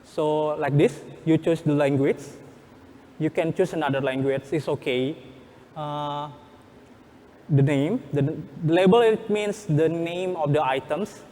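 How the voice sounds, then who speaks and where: Speaking fairly high and with mellow, fairly even intonation, this Indonesian-accented workshop presenter walks listeners through each step. His words ring around a reverberant hall, and his English, not his first language, comes out haltingly as he loops back to repeat and reword.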